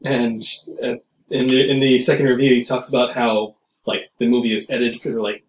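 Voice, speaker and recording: A man's voice: medium pitch, little pitch movement, moderate pace, reverberant, low-quality recording. A man co-hosting a podcast, chatting casually and hesitantly, repeating words as he thinks. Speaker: podcast co-host. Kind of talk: casual chat.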